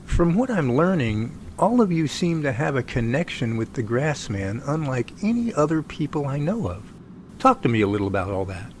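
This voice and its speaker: A man acting as an earnest, folksy research team leader in an audio drama. He speaks haltingly at a medium pitch, with noticeable background noise on the homemade recording. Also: very animated, darkish tone, natural voice. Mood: explanatory, friendly. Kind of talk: amateur audio drama dialogue.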